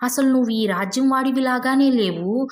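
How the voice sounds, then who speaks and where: A woman's voice: high voice, moderate pace, natural voice. A woman playing an angry, threatening male soldier of a storybook kingdom, with an aggressive, accusing manner. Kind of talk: acted storybook dialogue.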